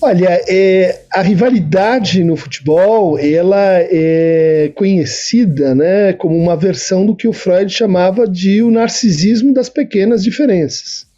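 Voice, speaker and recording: A man's voice: sits high, a little slow, few pauses, dull audio, soft background music. A Brazilian man, a psychoanalyst guest, explaining ideas in a podcast interview. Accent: Brazilian Portuguese. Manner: explanatory, lively intonation.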